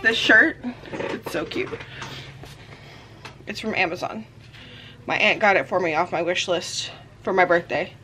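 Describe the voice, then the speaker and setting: In her bedroom at home, a vlogger in her thirties chats casually and rambles with many fillers while putting on makeup, facing a camera on a desk in front of her. Her mid-range voice sounds pushed and bright. The audio is poor, with slight background noise.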